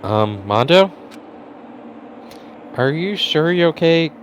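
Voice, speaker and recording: A man's voice: a little high, very animated, takes it slowly. A man voicing an earnest, mild, worried teenage boy in an amateur playthrough of a game. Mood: earnest, uneasy. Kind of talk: amateur voiced playthrough of a visual novel game. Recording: faint background noise.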